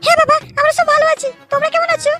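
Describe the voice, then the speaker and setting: A woman voicing a very high-voiced dutiful daughter. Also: flat delivery, racing, over music. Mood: welcoming. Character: dutiful married daughter running the household. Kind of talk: comedy cartoon dialogue.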